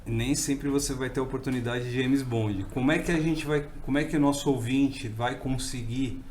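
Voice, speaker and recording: A man's voice: mid-range voice, fairly even intonation, moderate pace, darkish tone, a little hiss or hum. A man co-hosting a casual podcast. He agrees readily and asks guiding questions. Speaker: podcast co-host.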